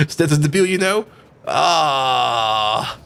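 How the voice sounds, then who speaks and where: Lively, laughing streamer guy. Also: on the high side, very slow, vocal fry, smooth. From Germany. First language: Dutch. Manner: chatty, laughs often between remarks. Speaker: game streamer. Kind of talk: casual live-stream chat while gaming.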